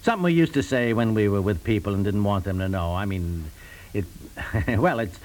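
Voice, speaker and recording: A man's voice: fairly low pitch, brisk, a little mellow, slight background noise, lightly acted. An actor playing a flustered, bewildered expectant father who stammers and repeats his words, in 1950s American radio comedy style. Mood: sheepish. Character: jittery, bewildered expectant father waiting at the hospital. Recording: vintage 1950s radio recording.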